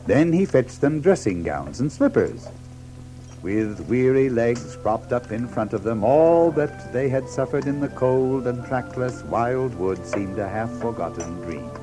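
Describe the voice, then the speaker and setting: A man reads scripted narration for a children's story. His medium-pitched voice moves up and down expressively, with clear music underneath. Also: lively intonation, a little slow, low-quality recording.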